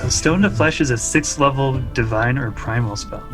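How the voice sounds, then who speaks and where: A man's voice: medium pitch, moderate pace, over music. A man playing a tabletop game, chatting casually about rules and his character.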